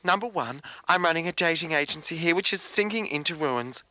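A woman voices an anxious young dating-agency owner, melodramatic and whiny, always on the edge of tears. Her voice is bright and close, with a dry sound. It fits a comic radio play. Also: sits low, expressive, brisk, no echo. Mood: exasperated.

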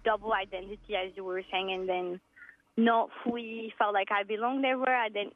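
A woman's voice: mid-range voice, steady tone, fairly quick, no echo. Woman, musician guest on a phone call, rambling and casual, muffled lo-fi line. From France. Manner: rambling, many "like" fillers. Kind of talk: casual interview chat.

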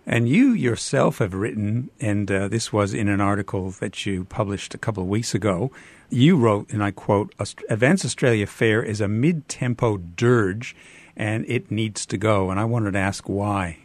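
Man, Canadian accent, radio host, lowish voice, dry close sound, measured, hesitant. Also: no echo. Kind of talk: radio interview.

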